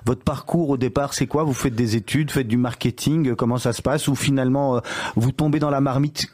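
A man's voice: mid-range voice, fairly even intonation, a little fast, darkish tone. A man hosting an interview, asking casual questions that he often restarts and repeats. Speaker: interview host. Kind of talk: conversational interview.

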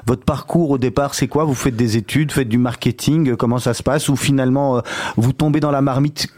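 A man's voice: medium pitch, steady tone, a little fast, a little mellow. A man hosting a radio show in a conversational style, introducing and questioning.

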